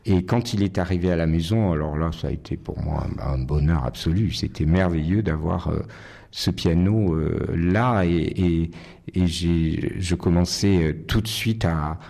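A middle-aged man from Nice, a concert pianist, answering interview questions thoughtfully with many pauses and restarts. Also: low-pitched, gravelly, warm tone. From Nice, France.

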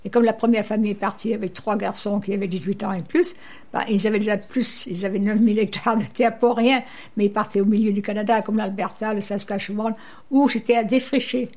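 An older woman from Brittany, a returned emigrant, telling stories as a guest on a radio interview in a lively, chatty way. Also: mid-range voice, a little fast. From Brittany, France. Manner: lively storyteller, chatty and animated.

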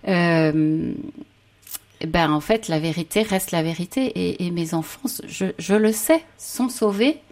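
A woman's voice: lowish voice, slow, darkish tone. A woman, a mother, speaking earnestly about faith and suffering as a panel guest, reflective and often trailing off. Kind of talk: personal faith testimony in conversation.

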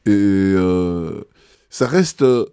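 A man, a bishop answering interview questions in a thoughtful, hesitant way with many pauses. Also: sits low, animated, mellow, clear, resonant tone, no room sound, clean studio sound.

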